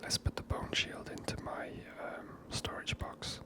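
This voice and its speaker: A person giving ASMR game commentary in a soft, unvoiced whisper, gently musing aloud. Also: a little slow. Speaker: video game player and narrator.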